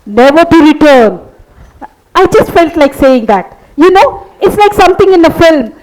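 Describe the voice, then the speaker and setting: Lady playing anxious literal-minded woman, really high voice, stage play reading. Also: lively intonation, moderate pace, darkish tone, low-quality recording. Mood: matter-of-fact. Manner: questioning, precise.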